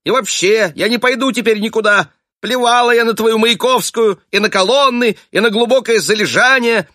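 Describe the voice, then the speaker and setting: A man voicing a shrill, furious wife who screeches accusations at her husband in an audiobook. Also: normal speed, bright, forceful tone, no room sound, clean studio sound. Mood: shrieking furious. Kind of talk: audiobook character voice.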